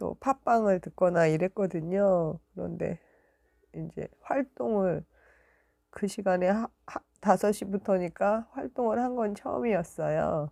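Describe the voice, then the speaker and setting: A woman with a dark, mellow tone talks at a very slow pace with lively intonation. The sound is dry and close with no echo, and the background is quiet. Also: medium pitch for a woman. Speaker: language teacher and YouTuber. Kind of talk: casual monologue.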